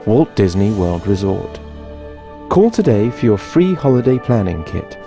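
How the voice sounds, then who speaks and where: A man doing a clear, persuasive commercial and training voice-over. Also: lowish voice, very animated, measured pace, mellow, faint music behind.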